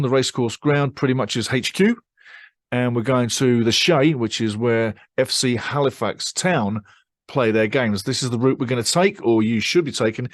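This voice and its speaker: A man's voice: medium pitch, no room sound. A man hosting a football fan show in casual, upbeat chat, with punchy exclamations and lots of repeating himself. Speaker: fan channel host. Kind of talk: casual pre-match football show talk.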